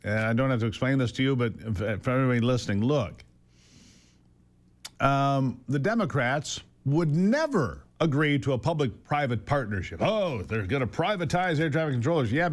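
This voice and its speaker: A man's voice: medium pitch, expressive, fairly quick. A man hosting an opinionated political interview, speaking emphatically with rhetorical questions and repeated phrases for stress. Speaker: talk show host.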